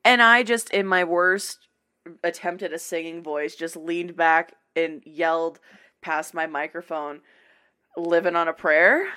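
A woman hosts a casual podcast chat and rambles through a story, laughing often. She talks at an unhurried pace with a slightly low voice. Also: fairly even intonation, pushed and bright, clear, resonant tone. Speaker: podcast host.

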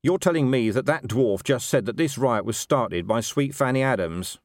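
A man voicing a gruff, weary, sardonic city watch commander in a story, demanding and sceptical. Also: medium pitch, expressive, moderate pace, no room sound, studio quality, pitched above the performer's own voice, close to an everyday voice.

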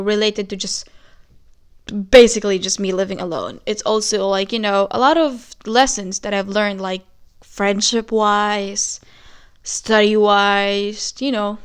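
Woman young Filipino podcaster, smooth clear voice, mid-height pitch, chatty Taglish delivery, slightly nervous, phone recording in a bedroom. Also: a bit bright. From Philippines. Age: young adult. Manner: chatty, switches between Tagalog and English. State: a little nervous. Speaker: podcast host. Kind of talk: casual solo podcast chat.

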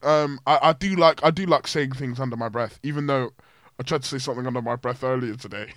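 A young man, chatting loudly on a podcast and often restarting his sentences. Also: medium pitch, a little fast, no echo, clean studio sound. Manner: loud, projecting voice, stumbling restarts. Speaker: podcast host. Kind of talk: casual chat.

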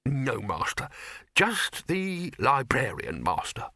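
Man voicing a nervous, placating bursar, bright and animated. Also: medium pitch, takes it slowly, dry recording, studio quality, heavily acted. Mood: nervous, careful. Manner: hesitant, stammering, strained politeness, obsequious. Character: nervous, placating, deferential male university bursar at a wizards' college. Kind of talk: comic fantasy storybook character voice.

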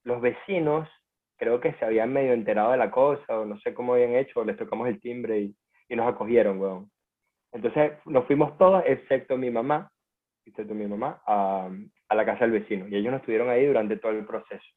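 A man's voice: mid-range voice, brisk. Slangy Venezuelan man, phone-like sound. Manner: slangy, informal. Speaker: guest. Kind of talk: casual storytelling.

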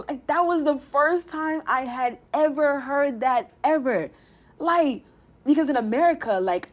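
A woman in her twenties, originally from Ghana, telling her life story in a casual, animated podcast monologue. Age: 20s. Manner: animated storytelling, laughs often, voices others' lines in higher pitch. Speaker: podcast host.

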